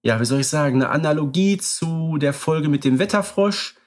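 A man's voice: fairly high pitch, moderate pace. A man co-hosting a podcast, chatting casually and readily agreeing with his partner. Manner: agreeable, affirming, conversational. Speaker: podcast co-host. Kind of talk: casual chat about radio plays.

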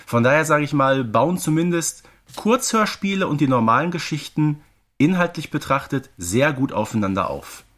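A man's voice: on the high side, lively intonation, moderate pace, fairly bright tone. A man with a German accent co-hosting a fan podcast, explaining things conversationally and checking for agreement. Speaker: podcast co-host.

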